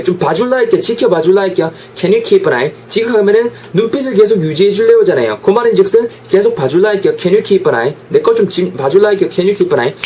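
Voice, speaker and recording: A man teaching an English lesson with a lively voice, drilling pronunciation through repeated examples. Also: sits high, a little hiss or hum.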